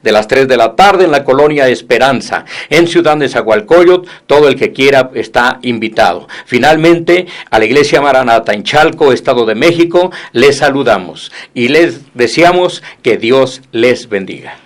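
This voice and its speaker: Man, Christian radio host, earnest and preachy, mid-pitched voice. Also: lively intonation, moderate pace, few pauses. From Mexico. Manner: earnest, preachy, with rhetorical questions. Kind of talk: Christian radio program talk.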